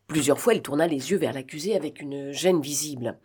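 A woman reading a novel aloud as an audiobook narrator, steady, with occasional small fillers. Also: low voice, brisk, breathy edge. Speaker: audiobook reader.

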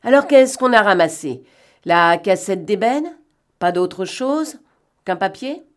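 A woman reading aloud and voicing a cunning male gentleman thief who talks in a mocking, bantering way and snaps out brisk orders. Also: medium pitch, lively intonation. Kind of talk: audiobook reading.

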